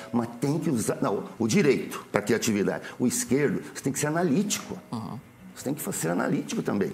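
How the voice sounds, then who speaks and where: Over light background noise, a man talks at a fairly quick pace, his pitch swinging very widely. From Brazil, Curitiba; Brazil. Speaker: visual artist; guest. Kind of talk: TV interview. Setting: studio. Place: studio. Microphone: lapel.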